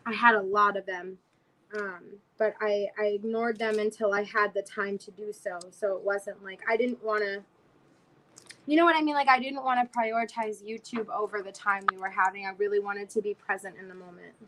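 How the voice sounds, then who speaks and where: Chatty and rambling, with many fillers, a woman in her twenties from South Florida runs a laid-back livestream despite having nearly lost her voice. She has a mid-range, fairly bright voice with fairly even intonation and a moderate pace, heard through a rough recording.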